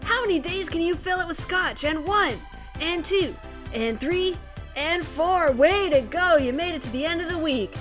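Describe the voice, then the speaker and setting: A woman's voice: very high voice, lively intonation, moderate pace, fairly bright tone, soft background music. A woman hosting a comedy show in an upbeat, scripted sketch style. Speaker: comedy host.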